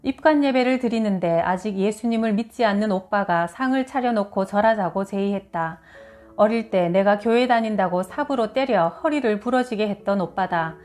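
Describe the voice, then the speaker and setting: A woman reading first-person testimony stories as a scripted narration, in a measured read-aloud manner. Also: mid-range voice, a little mellow. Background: background music.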